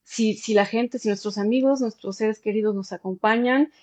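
With a steady, medium-pitched voice that's a little mellow, a German woman shares her experience as a former bride, speaking casually and enthusiastically at a moderate pace. She's an interview guest on a remote call, with no echo and slightly dull audio.

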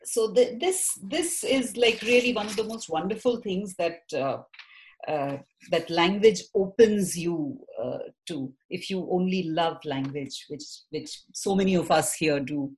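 Low-voiced woman, reflective guest. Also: measured pace, a little hiss or hum, rough recording. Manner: thoughtful, with frequent restarts and hesitations. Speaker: poet and theatre practitioner guest. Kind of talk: reflective interview answers.

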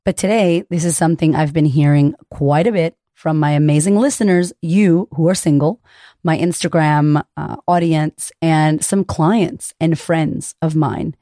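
A woman in her thirties with a raspy voice, hosting a podcast as a confidence coach and speaking frankly and encouragingly, with the odd curse, straight to the listener. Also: deep voice, fairly even intonation, measured pace, dark tone, no echo, clean studio sound. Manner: frank, profane and encouraging, addresses listener directly. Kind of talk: casual podcast monologue.

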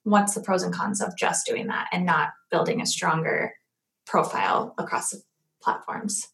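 Soft-spoken woman asking questions. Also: fairly low pitch, steady tone, moderate pace, creaky. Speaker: co-host reading viewer questions. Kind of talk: casual live-stream chat.

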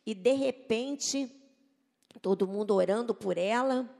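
A woman's voice: on the high side, measured pace, vocal fry, darkish tone. A woman preaching a sermon in an earnest, emphatic way, asking her listeners rhetorical questions. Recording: long hall reverb.

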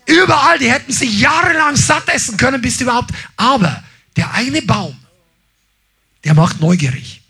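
A man preaching a sermon, animated, often shouting his emphasis and acting out quotes in little voices. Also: extremely high pitch, moderate pace, husky. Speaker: pastor.

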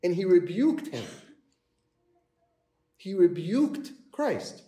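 A man's voice: high-pitched, sing-song, very slow, mellow. A man preaching a sermon in a conversational way, acting out the voices in the story he tells. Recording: echoey room.

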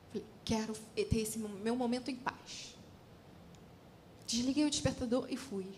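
A woman's voice: fairly high pitch, mellow, a little hiss or hum. A woman, telling a personal testimony at church and acting out her own past words with emotion. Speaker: church speaker. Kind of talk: sermon testimony.

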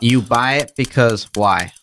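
A male podcast co-host gives word-game clues at an even, middle pitch. He nudges and prods patiently, pushing his partner toward the answer. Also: a little slow, slight background noise. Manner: patient, prodding clue-giving.

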